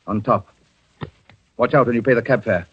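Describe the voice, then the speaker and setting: A man's voice: mid-range voice, normal speed, breathy edge, close to an everyday voice. A man playing a cold, scheming husband in a 1940s radio drama, giving clipped, menacing orders on a dull old broadcast recording. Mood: cold menace.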